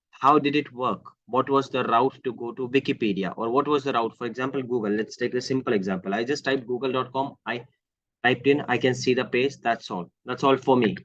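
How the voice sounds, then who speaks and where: A man's voice: mid-range voice, a bit bright, dry recording. A man with an Indian accent giving a live online technical lesson as an IT trainer, explaining step by step with repeated phrases, some Hindi mixed in and slightly unclear articulation. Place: online screen-share session. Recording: dull, lo-fi close microphone audio.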